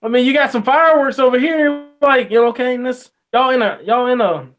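A young man co-hosting a movie review chat, talking in an animated, colloquial way and laughing often. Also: extremely high pitch, fairly quick, muffled recording. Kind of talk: casual chat.

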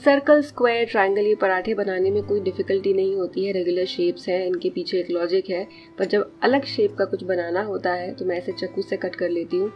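A woman's voice: medium pitch, steady tone, fairly quick, hardly any pauses, lo-fi sound. Woman, 30s, cooking vlog voice-over, chatty step-by-step explaining, faint background music. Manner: chatty, explains steps as she works. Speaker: cooking vlogger. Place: home kitchen.

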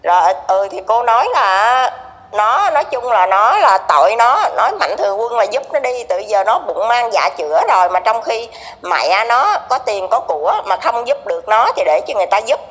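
A woman's voice: on the high side, expressive, normal speed, a bit bright, big-room sound. Gossipy middle-aged Southern Vietnamese woman. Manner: gossipy, emphatic, repeats herself. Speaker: neighbor being interviewed. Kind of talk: casual conversation.

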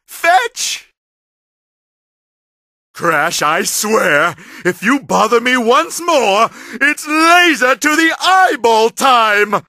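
Vain, irritable game villain scientist: high, piercing, slow theatrical delivery. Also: male voice, pushed and bright, no echo, clean studio sound, full character voice. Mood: angry, impatient. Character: vain, exasperated big-headed cartoon mad scientist villain. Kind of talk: animated video game character acting.

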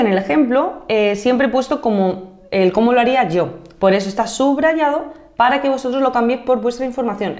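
A woman of thirty from Madrid with a Castilian Spanish accent, teaching a Japanese lesson on video. She explains each point clearly, slowing down to model phrases and checking in with "¿vale?". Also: mid-range voice, darkish tone. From Spain (Madrid).

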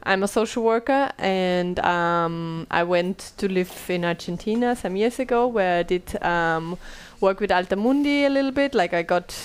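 A woman's voice: on the low side, moderate pace, few pauses, smooth. A woman in her thirties from Austria, speaking English, moderating a panel in a small room with many fillers and restarts. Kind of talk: conference panel talk. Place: small bright meeting room. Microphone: headset mic.

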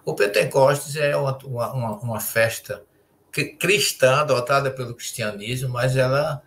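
An older man, a spiritist lecturer, explaining terms in a measured way with restarts, heard over a video call from a home study. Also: medium pitch, fairly bright tone. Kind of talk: explanatory panel talk.

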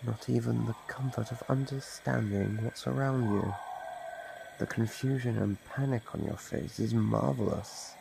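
A man's voice: medium pitch, steady tone, unhurried, vocal fry, background noise. A man voicing a gleefully predatory monster from under the bed in an ASMR horror roleplay, mockingly polite and menacing. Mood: gleeful, excited.

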